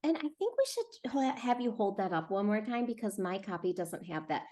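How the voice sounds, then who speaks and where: Woman, medium pitch, host, casual online Q&A, encouraging, explanatory, video call. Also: very animated, normal speed, mellow. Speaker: host, book publisher's representative. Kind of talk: hosting a casual online author Q&A.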